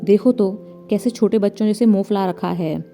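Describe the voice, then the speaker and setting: A woman's voice: medium pitch, moderate pace, warm tone, soft background music, close to an everyday voice. A woman voicing a spirited, teasing young woman in a storybook reading, with a playful manner. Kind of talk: storybook narration.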